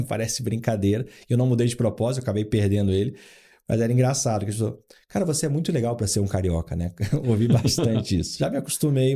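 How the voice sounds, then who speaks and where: A warm voice on the low side belongs to a board adviser and founder in his forties from Rio de Janeiro, Brazil. As a guest in a casual interview, he relays business stories through anecdotes and acted-out quotes.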